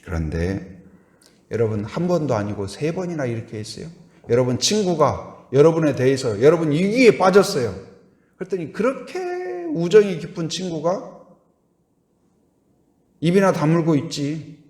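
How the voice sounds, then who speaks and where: A man's voice: a little high, lively intonation, moderate pace, pauses often, a little mellow, reverberant. A man preaching at an early morning church service, often asking the congregation questions and acting out the voices he quotes. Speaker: pastor. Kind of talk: dawn service sermon. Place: church sanctuary.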